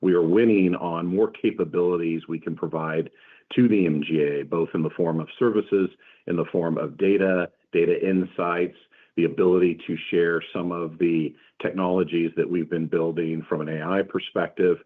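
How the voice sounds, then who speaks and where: A man answering questions as a company executive on an earnings call, in measured corporate explanation. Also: low voice, fairly even intonation. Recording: muffled phone-like conference call line.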